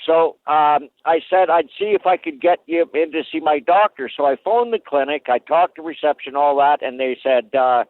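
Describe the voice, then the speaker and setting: A man's voice: fairly high pitch, normal speed, hardly any pauses, no echo. Guy from alberta on an old flip phone call, tinny thin line, talks plain with lots of uh's. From Alberta, Canada. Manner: plain-spoken, hesitant with frequent uh fillers. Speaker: caller. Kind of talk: casual phone-in storytelling.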